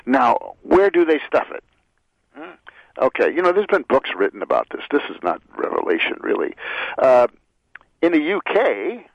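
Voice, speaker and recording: A man giving unscripted radio commentary, halting and full of filler sounds, cynical about politicians. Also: mid-range voice, no echo. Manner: halting, many filler "uh"s, rambling. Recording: dry muffled radio audio.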